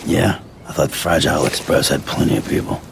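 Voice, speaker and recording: A gravelly, terse delivery man. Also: fairly even intonation, fairly quick, background noise, exaggerated voice. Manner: terse, low-key, gravelly. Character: taciturn male delivery man, gruff and reserved. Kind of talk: video game cutscene acting. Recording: game cutscene under loud score.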